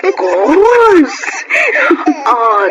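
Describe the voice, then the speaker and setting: A man acting a flamboyant, campy gay best friend in a Filipino radio drama, with animated, effusive banter and a Filipino accent. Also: extremely high pitch, extremely slow, highs cut off, background noise, heavily acted. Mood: playful, gushing. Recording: music bed under the voice.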